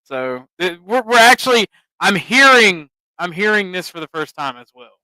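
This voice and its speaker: Bright, clear Southern man ranting. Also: sits high, moderate pace, no room sound, rough recording. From American South. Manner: animated, profane, mocking. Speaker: streamer host. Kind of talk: casual stream commentary.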